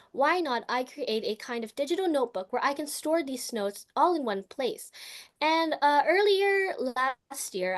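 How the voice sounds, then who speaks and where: A teenage girl from the Philippines earnestly introducing her project, a little halting. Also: sits high. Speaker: student innovator.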